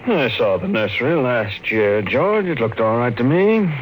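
A man's voice: mid-range voice, expressive, moderate pace, lightly acted. Man as grave, authoritative American psychologist in vintage radio play; blunt, emphatic warnings, long echo, faint music. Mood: calm, clinical. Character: grave male child psychologist, blunt, urgent, wary. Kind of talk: 1950s American radio drama acting. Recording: echoey old radio broadcast, music behind.

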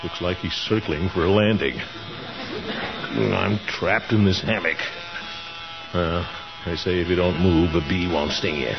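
An actor playing a pompous, easily flustered middle-aged man in a 1940s radio comedy, his voice jumping to squeaks when he gets annoyed. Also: steady tone, unhurried, pauses often, music in the background. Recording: dull, noisy old radio broadcast.

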